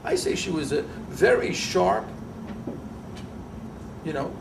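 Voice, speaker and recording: A middle-aged man talks with lively, swinging pitch and emphatic peaks, restarting phrases as he goes. His voice sits slightly high and sounds a little distant. A clear hiss of background noise runs underneath. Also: slow pace. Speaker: guest rabbi. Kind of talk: casual interview talk.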